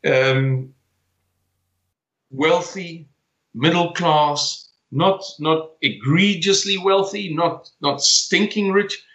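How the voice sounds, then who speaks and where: Guest, man in his forties from South Africa, bright forceful tone, halting and repetitive delivery, roomy sound. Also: fairly high pitch. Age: 40s. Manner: hesitant, repeats words while searching for them. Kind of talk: conversational interview.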